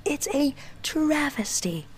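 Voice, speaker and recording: A woman playing a weary, wry tinkerer in a sci-fi audio drama monologue, speaking in a halting, brooding manner. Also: high-pitched, expressive, slight background noise. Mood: wry, dry. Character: weary, wry young woman tinkerer in a doomed underground city.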